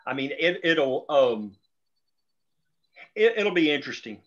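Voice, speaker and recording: A man's voice: fairly high pitch, very animated, a little slow, fairly bright tone. Opinionated man on a dull-sounding call. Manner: opinionated, emphatic, rambling, swears. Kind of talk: casual discussion on a group call. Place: group video or phone call.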